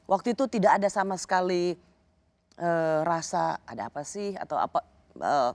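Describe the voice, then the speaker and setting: Woman interviewer, lowish voice, keeps asking short pointed follow-ups. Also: animated, moderate pace, darkish tone. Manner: probing, asks short follow-up questions. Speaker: talk show host.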